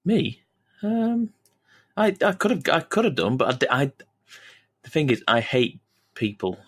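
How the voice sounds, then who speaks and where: A man's voice: mid-range voice, very animated, a little slow, a bit bright, husky. A man co-hosting a podcast, talking hesitantly with stumbling restarts. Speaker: podcast co-host. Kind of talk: casual podcast chat.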